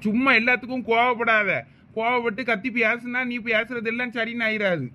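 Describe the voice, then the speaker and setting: A man's voice: extremely high pitch, steady tone, brisk, pushed and bright, heavily acted. A man voicing a stern but doting village father in a cartoon, with a Thoothukudi Tamil accent. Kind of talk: cartoon voice acting.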